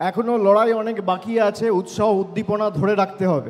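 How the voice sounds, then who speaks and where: Noticeable background noise sits behind the recording. A man speaks at a high pitch with fairly even intonation. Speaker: politician. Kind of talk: political rally speech. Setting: outdoors.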